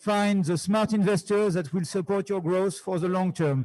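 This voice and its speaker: In a French accent, a man with a high pitch and a dark, mellow tone is heard in a dry, close sound with no echo. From France. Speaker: business advisor. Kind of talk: short pitch.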